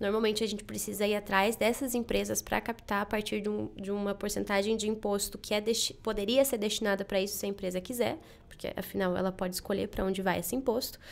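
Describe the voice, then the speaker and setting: Talking at a very fast pace, a woman uses fairly even intonation, her voice edged with vocal fry. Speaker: actress and dancer; actress. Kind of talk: casual chat. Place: studio. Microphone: studio mic.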